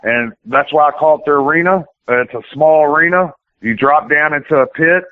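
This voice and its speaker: In a casual interview, a man who wrestles professionally wanders from point to point in plain-spoken slang with the odd swear word. His voice is a little high and his pace normal, recorded dry with a tinny, phone-like radio quality.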